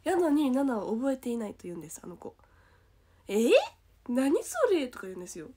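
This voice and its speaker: A young woman with a Kansai accent hosts a casual livestream, high and sweet in pitch. She reads comments aloud and thanks viewers, giggling often and slipping now and then into a hushed whisper. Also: animated, fast, slightly rough. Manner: giggly, bubbly, drops to soft whispers. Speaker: idol livestream host.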